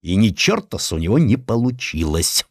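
An actor voicing a blunt, jovial old Russian admiral in an audiobook, with exclamatory, drawn-out, dismissive delivery. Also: male voice, lowish voice, sing-song, husky, dry recording, clean studio sound, heavily acted. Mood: mocking. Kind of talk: acted dialogue in an audiobook.

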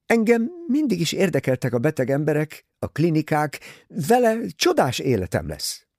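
An earnest, self-willed young woman, as a male reader puts her on for an audiobook, speaking in frank, matter-of-fact retorts. The voice sits higher than his own and swings lively, with a gravelly, husky grain. It sounds dry and close. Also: dry recording, full character voice.

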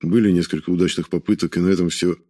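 A man voicing a guarded soldier from a parallel world who answers in a measured way. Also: low-pitched, steady tone, dark tone. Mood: explaining. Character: guarded Russian soldier from another world, male.

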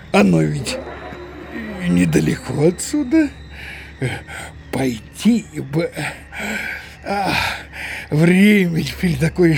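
A grumbling older village man for a radio play. He talks slowly with a creaky edge, hemming and muttering to himself. He sounds muddled and cowardly, yet full of bluster, over faint background noise. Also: sits high, darkish tone, full character voice. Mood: sly musing. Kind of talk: theatrical audio drama acting.

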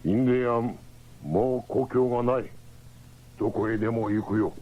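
A man's voice: medium pitch, moderate pace, natural voice. An actor playing a big, proud, stoic Native American man who speaks in terse broken sentences. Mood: resigned. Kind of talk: 1970s radio drama acting. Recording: dull 1970s radio, loud noise.

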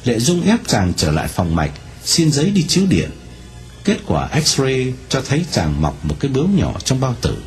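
A man narrating a novel aloud in an expressive storytelling manner. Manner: expressive storytelling with wide swings in pitch.

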